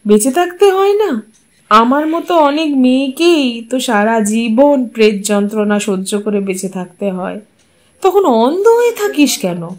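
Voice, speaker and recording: Audiobook part: woman as a bitter widowed mother, reproachful, fairly high. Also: sing-song, a little slow, a little mellow. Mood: anguished. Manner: reproachful, emotional. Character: grieving middle-aged widowed mother, bitter.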